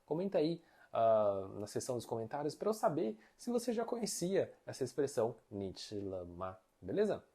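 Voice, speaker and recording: A man's voice: fairly high pitch, very animated, warm tone, husky. A man with a Brazilian Portuguese accent teaching basic Mandarin in a casual online lesson, explaining patiently and ending his points with little check-in questions. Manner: explanatory, many tag questions, slow demonstrations of phrases.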